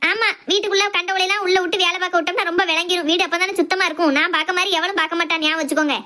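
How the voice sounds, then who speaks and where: Woman as a shrill, sarcastic scolding housewife. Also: steady tone, rapid-fire, bright, forceful tone. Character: sharp-tongued middle-aged housewife and strict mother. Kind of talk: comic family skit.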